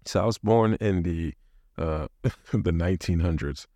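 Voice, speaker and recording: A man in his thirties hosts a solo podcast, thinking aloud in a loose, rambling way, often restarting his sentences. His voice sits very low, and the recording is close and dry with no room echo. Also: unhurried, warm tone. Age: 30s. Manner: rambling, many restarts and fillers, laughs to himself. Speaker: podcast host. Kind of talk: casual solo monologue.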